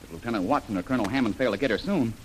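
A man's voice: medium pitch, very fast, a little hiss or hum, natural voice, rough recording. An actor playing a bold, confident male jungle adventurer who takes charge in an old radio serial.

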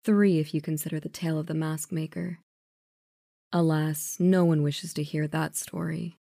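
A man voicing a calm, mysterious noble lady in a mask, speaking in a soft, clear whisper. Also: a little high, moderate pace, no echo, clean studio sound, pitched above the performer's own voice. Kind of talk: storybook character voice.

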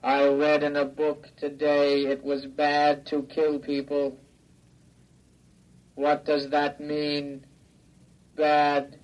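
An actor playing a childlike male robot who talks in a flat, slow monotone, from a dull old radio drama. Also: on the high side. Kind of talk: 1950s radio drama acting.

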